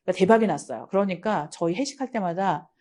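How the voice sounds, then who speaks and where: A woman's voice: on the low side, fast. Chatty middle-aged woman lecturer. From Gangwon Province, South Korea. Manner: chatty, anecdotal, lively lecturing. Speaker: nursing exam lecturer. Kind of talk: online exam-prep lecture. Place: lecture studio.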